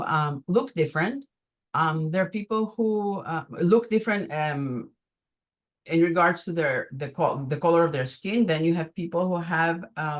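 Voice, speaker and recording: An older woman from Greece with a Greek accent, answering audience questions on a video call with many pauses and ums. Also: on the low side. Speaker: conference presenter answering questions.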